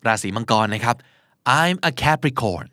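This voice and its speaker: A man's voice: mid-range voice, sing-song, slow pace, pushed and bright, no room sound, studio quality. A man with a Thai accent, hosting a pronunciation lesson and spelling English words out letter by letter.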